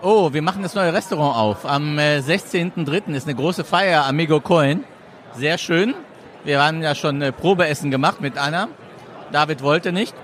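A man speaking as a hotelier guest at a trade fair lounge, relaxed and laid-back. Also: fairly high pitch, moderate pace, slight background noise.

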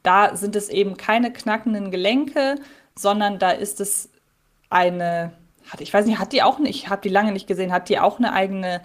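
A woman's voice: medium pitch, moderate pace. Woman, podcast co-host, chatty recap with fillers, mid-range voice. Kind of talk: casual chat, recapping a radio-play episode.

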